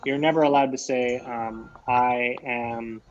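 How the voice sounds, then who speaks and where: A man's voice: mid-range voice, fairly even intonation, a little slow. Canadian man teaching English over a muffled line. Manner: patient, repeats key phrases. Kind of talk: online English lesson.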